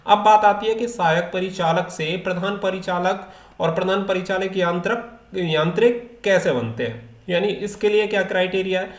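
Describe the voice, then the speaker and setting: A man's voice: high voice, moderate pace. A man presenting an informal educational explainer, reading out official rules and then restating them step by step in a repetitive way. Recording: echoey, reverberant room.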